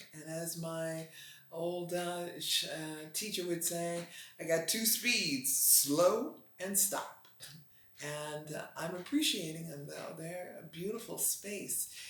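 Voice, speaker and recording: Someone speaks at a very slow pace while noticeable background noise carries on. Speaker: spiritual advisor. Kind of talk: casual talk to camera. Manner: casual, rambling.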